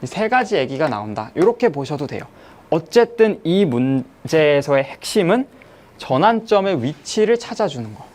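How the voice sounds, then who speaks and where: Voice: mid-range voice, big pitch swings, a little mellow. An English teacher giving an online exam-review lecture, explaining step by step, asking questions and then answering them. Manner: reads English sentences slowly, then glosses them; mixes polite and casual speech to students.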